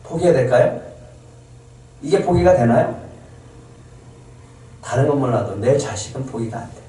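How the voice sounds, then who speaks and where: A man's voice: medium pitch, expressive, moderate pace, mellow. A male pastor preaching a sermon in a church, emphatic and full of rhetorical questions to the congregation. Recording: echoey hall from far off.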